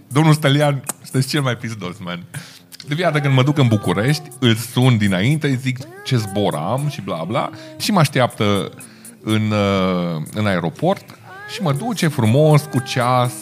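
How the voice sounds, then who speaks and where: A man chatting casually and in a relaxed way, telling a story. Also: mid-range voice, soft background music. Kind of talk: casual chat.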